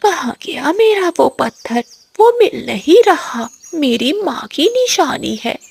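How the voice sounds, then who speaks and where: A woman's voice: high voice, big pitch swings, slow pace, vocal fry, darkish tone, no echo, exaggerated voice. A woman voicing a fierce, angry female eagle aunt in a cartoon. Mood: upset.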